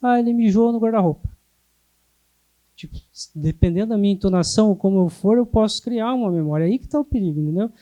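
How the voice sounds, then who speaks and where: A man teaching a hypnotherapy class in a calm, explanatory way. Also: high-pitched, quick pace, hardly any pauses. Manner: calm, explanatory, sometimes acts out clients. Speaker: hypnotherapy instructor.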